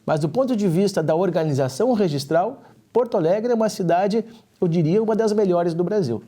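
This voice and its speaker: A man, a lawyer guest, explaining property registration in a measured way on a studio talk show. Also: sits high, mellow. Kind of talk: explanatory interview answer.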